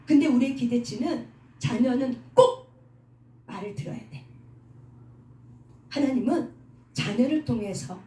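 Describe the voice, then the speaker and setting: A slightly high, dark-toned female voice moves at an unhurried pace with long pauses as a middle-aged woman preaches at a prayer house. She asks the congregation one rhetorical question after another and has them say lines back to her. The recording, made in an echoing indoor hall, places her far off amid faint background noise.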